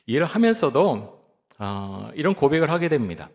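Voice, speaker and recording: A man in his fifties, a pastor giving a sermon in a church, telling a personal story calmly and reflectively, often pausing with "ah" and "uh". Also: medium pitch. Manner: calm, reflective storytelling with frequent "ah" and "uh" fillers. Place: church sanctuary. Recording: long hall reverb.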